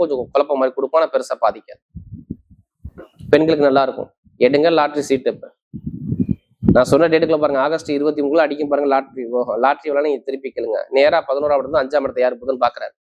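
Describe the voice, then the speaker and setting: With a mid-range, slightly mellow voice, this male astrology host gives viewers a forecast in an emphatic, assuring way, returning again and again to key points. Audio quality is somewhat dull and lo-fi.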